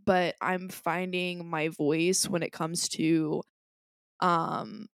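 A woman's voice: lowish voice, drawn-out words, no echo, clean studio sound. A young woman co-hosting a podcast, talking in a rambling, passionate way with lots of "like" fillers. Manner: rambling, animated, many "like" fillers; self-described loud and passionate. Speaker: podcast co-host. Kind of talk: casual chat.

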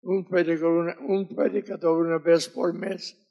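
A man in his nineties from Mississippi with an American accent and English as his first language, preaching a fervent and deliberate sermon as a visiting preacher. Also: a little high, flat delivery, creaky, muffled recording. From Mississippi, USA. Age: 90s.

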